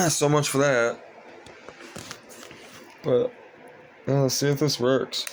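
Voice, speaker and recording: Sleepy young guy vlogging from home, flat and meandering, with a faint hiss under the voice. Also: medium pitch, slow pace. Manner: monotone, meandering, frequent fillers. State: tired, sleepy. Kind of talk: casual rambling vlog.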